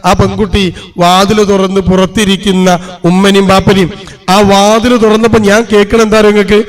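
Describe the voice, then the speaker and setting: High-voiced male preacher. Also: flat delivery, moderate pace. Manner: rhetorical questions to the audience, acts out quoted voices. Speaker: Islamic preacher. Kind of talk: Islamic sermon with storytelling.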